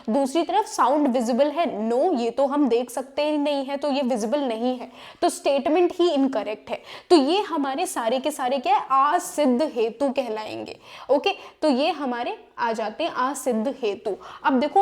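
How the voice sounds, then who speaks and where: A woman's voice: high voice, a little mellow. A young woman teaching an exam-prep lesson, explaining with rhetorical questions and English terms mixed in. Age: young adult.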